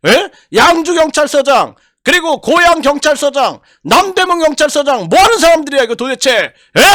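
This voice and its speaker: High-voiced indignant older man, dry close mic. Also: a bit bright, no echo. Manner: indignant, rhetorical questions, repeated phrases. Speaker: YouTube commentator. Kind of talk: impassioned political commentary.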